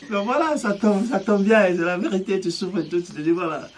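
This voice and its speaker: A man, telling his own story in a hesitant, halting way full of restarts. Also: high-pitched, slight background noise. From Côte d'Ivoire. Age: 30s. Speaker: interviewee. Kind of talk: personal testimony.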